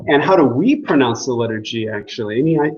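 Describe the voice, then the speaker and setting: A man's voice: medium pitch, animated, quick pace, slightly rough, muffled recording. A man giving a casual classroom lecture on language, joking and asking the class questions. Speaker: language teacher.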